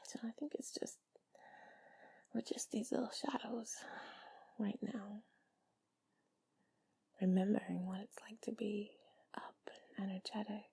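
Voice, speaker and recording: Breathy, whispering woman in intimate ASMR style. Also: medium pitch, fairly even intonation, a little slow, pauses often. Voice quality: soft, breathy, mostly whispered. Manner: intimate, soothing, rambling and confiding. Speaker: intimate comfort audio creator. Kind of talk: cuddly whispered ASMR talk to the listener. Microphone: close mic.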